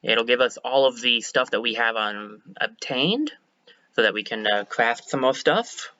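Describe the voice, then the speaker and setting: Bright, chatty game-streaming man. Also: medium pitch, expressive, a little slow, dry recording, lo-fi sound. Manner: chatty, self-correcting, thinks aloud. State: a bit hoarse. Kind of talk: casual let's-play commentary.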